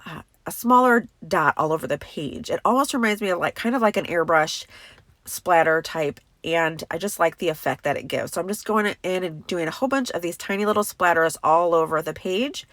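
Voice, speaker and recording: A woman's voice: on the low side, lively intonation, a little fast, a bit bright, no echo. Stuffy-nosed woman, chatty crafting voice-over. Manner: chatty and enthusiastic, many fillers. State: stuffy, congested voice. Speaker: crafting tutorial host. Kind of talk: casual voice-over craft tutorial.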